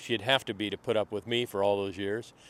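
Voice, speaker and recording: A man with an American accent speaks on a very clean recording with a silent background, the sound dry and close with no echo. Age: 60s. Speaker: vlogger, retired former radio disc jockey. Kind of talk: personal video diary monologue. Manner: casual, with hesitations.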